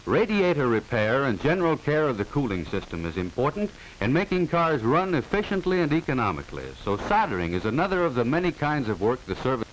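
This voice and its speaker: Old timey american guy narrating an educational film, formal but really varied pitch, bit of hiss on the track. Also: a little fast, hardly any pauses, rough recording. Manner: formal, instructive, clearly enunciated. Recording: hissy 1940 film soundtrack. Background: steady hiss.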